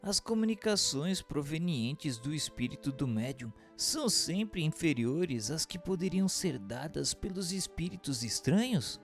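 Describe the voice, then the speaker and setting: Expressive, creaky-voiced male radio narrator. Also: a little high, a little slow, few pauses, soft background music. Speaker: narrator and questioner. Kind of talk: scripted narration for a radio drama.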